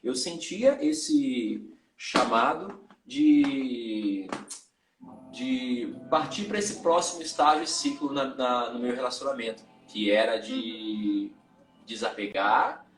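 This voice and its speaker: A man's voice: medium pitch, faint music behind. Candid man telling his story, echoey room. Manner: candid, halting, repeats words. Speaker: guest, tantra and yoga teacher. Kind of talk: confessional storytelling in a live interview.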